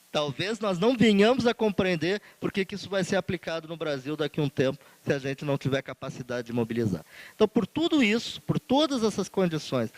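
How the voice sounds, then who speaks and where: A man's voice: a little high, darkish tone, no echo, rough recording. A man with a Brazilian Portuguese accent giving a formal conference speech as a union leader, earnest and emphatic, building rhetorical lists.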